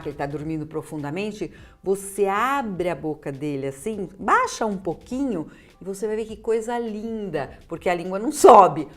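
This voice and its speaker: A Brazilian woman in an expert conversation, explaining as a specialist, repeating points for emphasis and acting out bits of dialogue. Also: lowish voice. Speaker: interviewer and speech therapy specialist.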